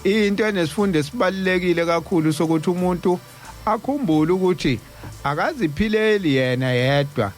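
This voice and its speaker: Male South African talk host, casual delivery, slightly high voice, music underneath. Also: expressive, fast talker. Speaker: radio host. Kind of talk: casual talk show hosting.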